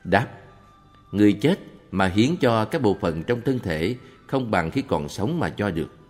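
A man reading a monk's answers aloud in a calm, measured Buddhist question-and-answer recording. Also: sits low. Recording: long reverb with faint background music.

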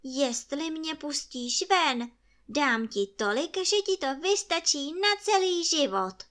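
A woman's voice: sits high, animated, fairly bright tone, pitched above the performer's own voice. A woman voicing a male spirit trapped in a bottle, who wails to be let out and then bargains with promises. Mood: coaxing. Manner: wailing, then coaxing and bargaining.

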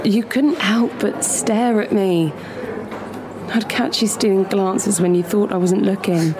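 An actress playing a wistful, neglected woman who narrates her fading romance in a measured, intimate, literary way. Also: mid-range voice, noisy background, lightly acted. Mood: hurt, jealous. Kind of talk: literary audio drama monologue and dialogue. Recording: music under the voice. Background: music.

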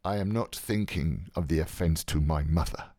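A man voicing a cold, brooding young male scholar in a low, clipped manner. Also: moderate pace, darkish tone, no echo, studio quality.

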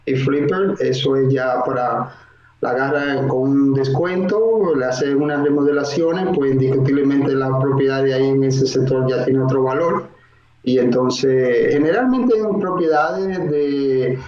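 A man from the Dominican Republic, a mortgage broker and investor, explaining slowly in an interview with many filler sounds. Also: mid-range voice, a little mellow. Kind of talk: interview answers. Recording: roomy, dull lo-fi sound.

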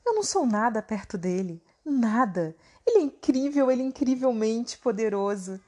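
A woman's voice: fairly high pitch, very animated, moderate pace, a little mellow. A woman voicing Bima, a proud and mighty male warrior who speaks with emphatic indignation. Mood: fervent.

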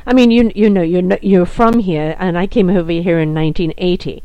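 A woman's voice: fairly low pitch, brisk, warm tone, no room sound, dull audio. A woman hosting a casual conversation, chatty and leaning on filler phrases. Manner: chatty, leans on "you know".

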